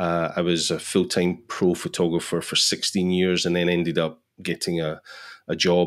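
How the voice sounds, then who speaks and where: A man speaks with a Scottish accent at a moderate pace, his pitch very deep and low. The recording is very clean, with a silent background. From Scotland, central belt near Falkirk. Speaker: photographer and marketing manager. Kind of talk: interview.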